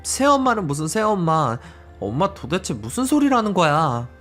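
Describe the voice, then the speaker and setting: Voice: mid-range voice, sing-song, moderate pace, fairly bright tone, faint music behind. A performer voicing a grown daughter who accuses her mother of abandoning her, in a dramatized story reading, with a pleading, bitter manner. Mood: hurt, pleading.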